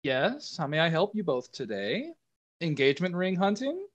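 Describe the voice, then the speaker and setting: An actor playing a polite, salesy jeweler in a radio play, with courteous, smooth patter. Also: male voice, a little high, very animated, normal speed, muffled recording. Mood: eager, unctuous. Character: polite, salesy male jeweler pushing his wares.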